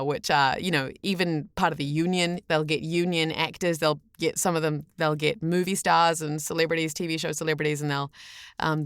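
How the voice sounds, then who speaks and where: Low-pitched woman chatting as podcast guest. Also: clean tone, no echo, clean studio sound. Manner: chatty, explanatory, self-correcting. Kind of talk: casual interview talk.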